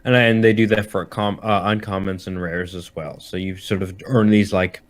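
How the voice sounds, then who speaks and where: A man with a fairly low voice talks casually about games. He hosts in an explanatory, halting way, often reworking his sentences as he goes. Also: flat delivery.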